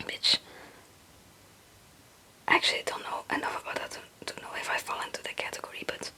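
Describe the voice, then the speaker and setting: In a low-quality recording, a young woman whispers fairly quickly with a sharp tone. She's an ASMR video creator, not a native English speaker, and her rambling, casual chat is often hesitant and self-deprecating.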